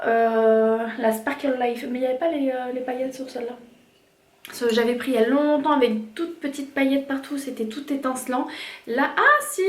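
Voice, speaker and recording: A woman from France in her thirties, chatting casually through a shopping haul with lots of fillers and hesitations. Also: high-pitched. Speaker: vlogger. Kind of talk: casual product haul chat. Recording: echoey room, faint noise.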